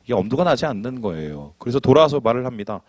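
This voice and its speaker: Preaching at a quick pace, this male pastor is animated, putting questions to the congregation and performing quotations. His pitch is medium, and the recording has no room sound.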